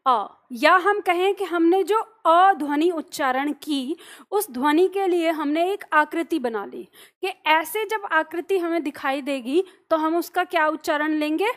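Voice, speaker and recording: Unhurried and a bit bright, a woman with a high voice teaches grammar using plain, everyday examples and patient explanations. Time and again she poses questions to the class, then supplies the answers herself.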